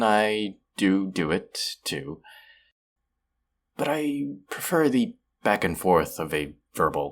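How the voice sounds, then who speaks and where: A male actor performs an awkward young man with a deep voice in an intimate, one-sided audio drama. He is sweet and apologetic, talking as if on a phone call. His delivery is hesitant and rambling, full of self-deprecation. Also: a bit bright, heavily acted.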